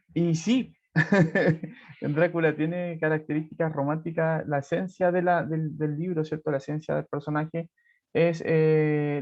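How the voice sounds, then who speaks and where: A Chilean man teaching a literature class over a video call, rambling with many fillers and checks for agreement. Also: fairly high pitch. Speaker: high school literature teacher. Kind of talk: online class lecture. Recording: muffled lo-fi video call audio.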